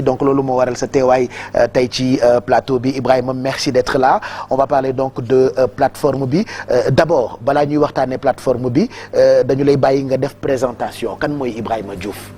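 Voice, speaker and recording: A man with a Senegalese accent hosting a TV studio interview, steady and affirming as he questions his guest. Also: mid-range voice, husky. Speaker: TV host.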